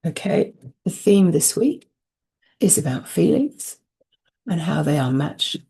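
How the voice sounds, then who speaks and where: A woman with a deep, gravelly voice offers spiritual guidance while reading oracle cards. Her tone is dark and mellow, and she speaks softly and without hurry. She circles back over the same phrases again and again. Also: very animated. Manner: soft, unhurried and repetitive, dwelling on phrases. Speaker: host and oracle card reader.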